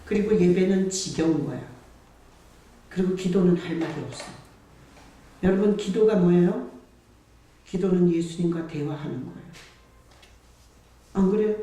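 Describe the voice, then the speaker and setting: A woman's voice: lowish voice, moderate pace, pauses often, mellow. A woman pastor preaching a sermon in a conversational, emphatic way, speaking in a church sanctuary. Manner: conversational and emphatic, acting out prayers and quotes. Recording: very echoey, distant church recording.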